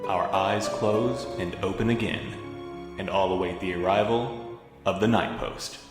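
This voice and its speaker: Solemn, low echoing male narrator. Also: unhurried. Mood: ominous. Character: solemn, mysterious narrator of a strange city. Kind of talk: theatrical audio drama intro narration. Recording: echoey hall reverb under loud music. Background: loud instrumental music.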